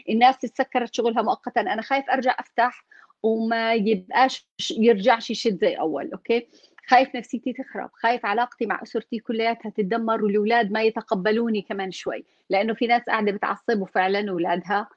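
A woman's voice: fairly high pitch, no room sound. A woman who explains a practical exercise step by step and acts out example self-talk. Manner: instructive, walks through steps, acts out example self-talk. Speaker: guest coach. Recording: dry, dull lo-fi sound.

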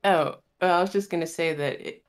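A woman with a Southern US accent hosting a live stream, chatting casually in a soft, hesitant way with lots of fillers. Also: on the low side, a little fast, faint music behind. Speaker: VTuber streamer host. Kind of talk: casual chat.

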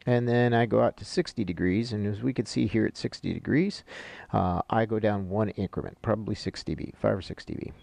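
A middle-aged man with a lowish, creaky voice gives an informal lesson. The sound is dry and close, and he talks conversationally, working through each step aloud as an instructor would. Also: steady tone, a little fast, darkish tone, dry recording. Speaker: audio-visual instructor. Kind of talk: informal instructional explanation while annotating charts.

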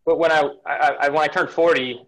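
A man's voice: on the high side, steady tone, brisk, a bit bright, low-quality recording. A man in his forties on a video call from home, talking reflectively about his life, often restarting and repeating words. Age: 40s. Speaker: interview guest, runner. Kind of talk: casual video-call interview. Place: home room indoors. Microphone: webcam on a video call.

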